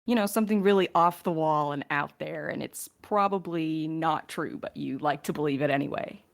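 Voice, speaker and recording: A woman's voice: low voice, normal speed, vocal fry. A woman in a casual podcast Q&A, talking playfully as one of the crew fielding questions.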